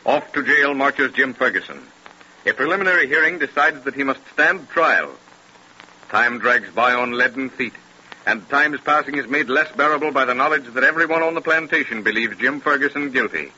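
A man playing the grave, ominous narrator of a 1930s radio mystery, measured and theatrical. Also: medium pitch, pushed and bright, dull audio. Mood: portentous. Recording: scratchy, band-limited 1930s radio recording.

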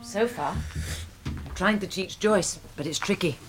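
A woman's voice: lowish voice, unhurried, over music, natural voice. A woman with a British accent acting a tender, practical young wife and survivor in a 1960s radio drama. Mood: practical, wary. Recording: noisy old 1960s radio recording.

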